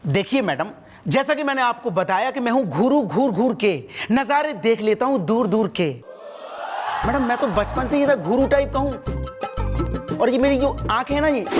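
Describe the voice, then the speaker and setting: A man's voice: extremely high pitch, lively intonation, normal speed, long pauses. An actor playing a nosy oddball young man who stares at everything and is questioned at a police post, pleading in rhyming comic patter. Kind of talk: TV sitcom acting. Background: background music.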